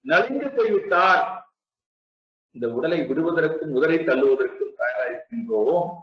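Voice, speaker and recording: A man giving a spiritual discourse, speaking slowly and deliberately and repeating his rhetorical questions. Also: a little high, lively intonation. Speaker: spiritual teacher. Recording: echoey, distant, dull lo-fi sound.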